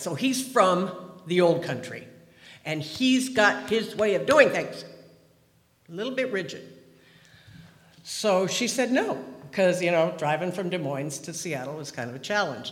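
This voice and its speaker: A man's voice: high-pitched, fairly bright tone. A man around seventy from the Pacific Northwest of the US, giving a chatty, humorous personal testimony with wandering restarts. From Pacific Northwest, USA. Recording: echoey hall with long reverb.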